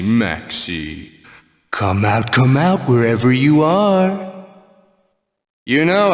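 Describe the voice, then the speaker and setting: A taunting gangster villain in a video game. He chides slyly and slowly, lilting up and down in sing-song fashion, with a long reverb tail. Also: medium pitch.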